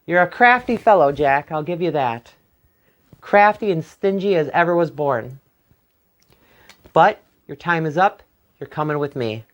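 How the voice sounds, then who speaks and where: A storyteller voicing a devilish tall dark stranger who has come to collect a soul, speaking in a stern, commanding way in a told folktale. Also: mid-range voice, expressive, measured pace, pauses often, close to an everyday voice. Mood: ominous. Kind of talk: oral folktale telling.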